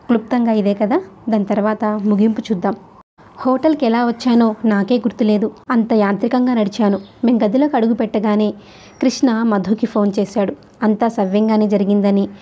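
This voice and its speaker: A woman narrating a novel in the first person with steady, measured storytelling. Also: medium pitch. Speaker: audiobook narrator. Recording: slightly dull lo-fi recording.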